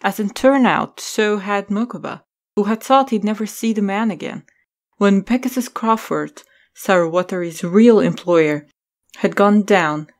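Female narrator for audio drama, scripted prose reading, medium pitch.

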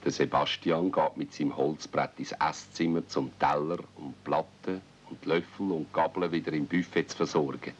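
A man's voice: a bass voice, fairly even intonation, moderate pace, hardly any pauses. A man with a Swiss accent narrating a children's radio play as a storyteller. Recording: dull, faintly noisy old cassette recording.

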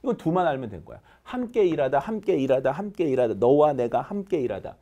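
A man teaching English vocabulary in a lively lecture, drilling students with call-and-response and counting off answers. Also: fairly high pitch, fast.

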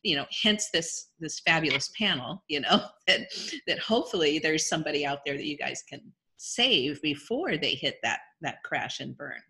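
A woman's voice: low-pitched, lively intonation, normal speed, bright, forceful tone. A woman hosting an online panel, restarting phrases as she speaks. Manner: repeats words as she speaks. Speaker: host. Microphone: video call.

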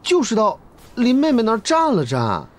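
A man's voice: extremely high pitch, wildly swooping pitch, moderate pace, full character voice. A young actor playing a spoiled, stubborn young nobleman in a period TV drama. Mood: petulant. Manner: petulant, defiant.

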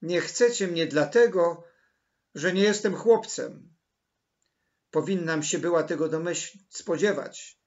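A man voicing a dramatic, excitable red-haired orphan girl who pleads tearfully and melodramatically. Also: fairly high pitch, slow, muffled recording, pitched above the performer's own voice. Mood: despairing.

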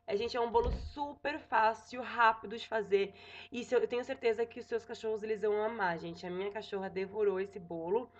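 Woman, Brazilian accent, young adult, chatty cooking tutorial, slightly high voice, dull lo-fi recording. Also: steady tone, brisk. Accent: Brazilian Portuguese. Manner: chatty, frequent "tá?" check-ins and self-corrections. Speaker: cooking vlogger. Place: home kitchen.

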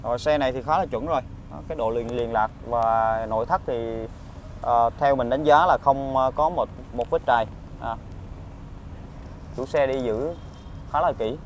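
A man with a southern Vietnamese accent giving an informal used car salesman's walkaround pitch, halting often with hesitations and tag words. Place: outdoor car lot, partly inside a car. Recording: outdoor phone recording with traffic ambience.

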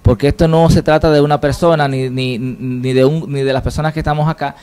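A man's voice: mid-range voice, fairly even intonation, fairly quick, darkish tone, clear, resonant tone. A man around his forties with a Dominican Caribbean Spanish accent, speaking emphatically as a guest in a TV studio interview. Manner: emphatic, with repeated check questions. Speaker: studio guest presenting an anniversary campaign. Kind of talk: animated interview talk. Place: indoor TV studio. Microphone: handheld microphone.

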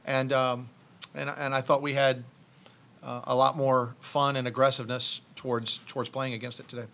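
Halting middle-aged coach at press table. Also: male voice, mid-range voice, level tone, fairly bright tone, a little hiss or hum. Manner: halting, many restarts and ums, thoughtful. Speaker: head basketball coach. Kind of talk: postgame press conference. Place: press room with logo backdrop, seated at table. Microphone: table mic on stand.

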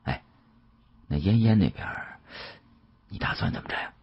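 A man voicing a cocky, chummy young male heir in an audiobook, husky and casual in manner. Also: low-pitched, animated, normal speed, muffled recording. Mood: sly, hushed. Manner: casual, buddy-like.

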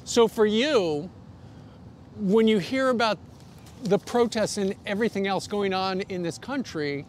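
American man, sixties, news host, high pitch, halting conversational interview style, outdoor broadcast with faint noise. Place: outdoor rooftop terrace in a city. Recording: outdoor live broadcast, clear background noise.

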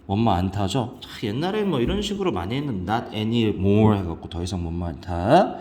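Man, English teacher, lowish voice that swings up and down, quizzes students. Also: normal speed. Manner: lively, asks students questions and answers himself; sudden jumps in pitch on English words. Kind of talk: explaining a textbook passage.

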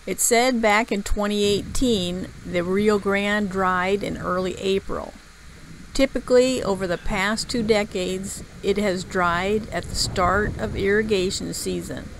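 Slow, measured woman narrating a travel vlog. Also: medium pitch, a little hiss or hum, poor audio. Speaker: travel vlogger. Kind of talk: scripted voice-over narration.

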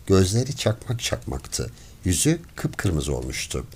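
A man reading a story aloud as an audiobook narrator in measured, expressive storytelling. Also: low-pitched, breathy edge.

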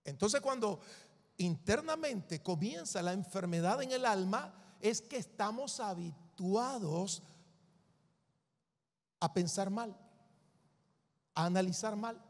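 A man's voice: sits high, expressive, slow, long pauses, in a large hall. A male preacher delivering an emphatic sermon, repeating his points for the congregation.

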